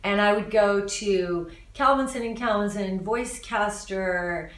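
Lively woman, roomy distant sound. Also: medium pitch, measured pace. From Los Angeles. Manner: animated, talks with her hands, many restarts. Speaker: voice actor guest. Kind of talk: casual interview answers. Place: living room, indoors.

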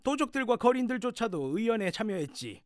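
In an educational audio drama, a male actor with a high-pitched, brisk voice full of big pitch swings plays a scolding, lecturing grandfather more than a hundred years old. He tells stories in old-fashioned speech with an earnest storytelling mood.

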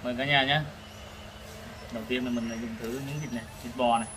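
A man hosts a casual food review from a noisy open-air restaurant. His pitch is average, and he talks haltingly between bites, searching for words and repeating himself. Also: fairly even intonation. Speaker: food vlog host. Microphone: camera across the table. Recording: noisy eatery ambience, traffic.

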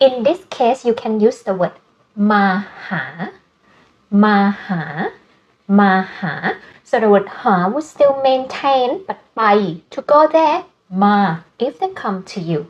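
Thai-accented woman teaching, slow careful repetitions. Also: high-pitched, expressive, dull audio. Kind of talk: language lesson, explaining and repeating words.

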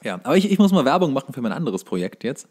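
A man's voice: mid-range voice, very animated, rapid-fire, darkish tone. A man chatting casually as a podcast host, in a joking, self-deprecating way.

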